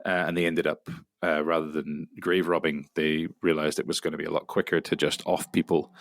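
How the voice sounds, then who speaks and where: A man with a Scottish accent, a voice actor talking as a guest in a casual interview, explaining at length and often pausing to restart. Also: a bass voice, flat delivery, dry recording, studio quality. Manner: rambling, explanatory, halting with many restarts.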